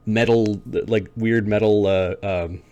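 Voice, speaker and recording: Male game master, fairly deep, casual improvised tabletop narration with halting phrasing. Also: steady tone, mellow, highs cut off. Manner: halting, searching descriptions.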